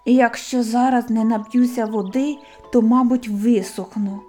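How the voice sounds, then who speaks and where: An eager little hedgehog boy with a high, bright-edged voice and loud exclamations, as a woman reading a storybook plays him. He is quick to take offense and restless. The tone stays warm and mellow underneath. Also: fairly even intonation, soft background music, natural voice. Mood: earnest. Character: eager excitable young male hedgehog.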